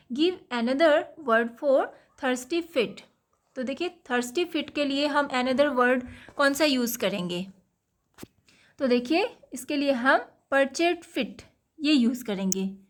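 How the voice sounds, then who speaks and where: A woman with an Indian accent explaining a children's English lesson, reading each question slowly before explaining it. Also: a little high. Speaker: teacher.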